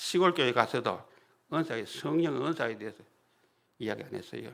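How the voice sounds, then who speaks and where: Vocal fry runs through a medium-pitched man's voice as he talks at a fairly quick pace. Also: lively intonation. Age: old. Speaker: pastor. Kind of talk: sermon. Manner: animated storytelling.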